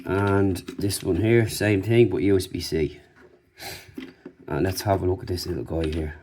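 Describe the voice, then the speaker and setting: A man's voice: deep voice, steady tone, normal speed, darkish tone, slight background noise. A man giving a casual, off-the-cuff product review, informally talking through what he is showing. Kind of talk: casual unboxing and review commentary.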